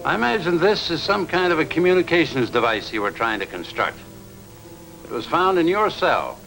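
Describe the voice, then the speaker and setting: A man's voice: fairly high pitch, big pitch swings, normal speed, vocal fry, fairly bright tone, soft background music, heavily acted, rough recording. A middle-aged male actor playing a stern prison warden, formal and authoritative, in a 1950s screen drama. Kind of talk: 1950s black-and-white screen drama acting.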